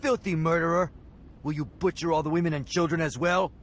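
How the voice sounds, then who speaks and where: An actor playing an angry young tribal warrior who speaks in an accusing, fiery way. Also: male voice, fairly high pitch, steady tone, fairly quick, slight background noise, lightly acted. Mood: furious.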